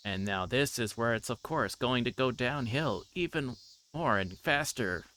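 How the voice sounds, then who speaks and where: A man's voice: mid-range voice, expressive, a little slow, sharp tone, a little hiss or hum. A man on a livestream reading a visual novel aloud and adding casual commentary. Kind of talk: livestream game read-along with casual commentary.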